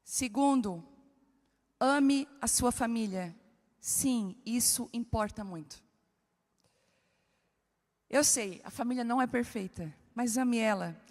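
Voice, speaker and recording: A woman pastor preaching a lively, humorous sermon and speaking directly to her listeners. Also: a little high, slow pace, long pauses. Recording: reverberant hall.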